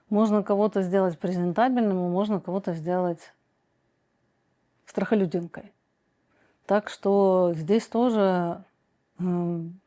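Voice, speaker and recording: A woman with a dark, mellow voice answers viewers' questions about their lives. She talks slowly and deliberately, often pausing on a soft hesitation before each point. Her advice comes out frank and direct. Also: medium pitch. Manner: slow, deliberate, many pauses and hesitations. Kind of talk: calm measured advice monologue.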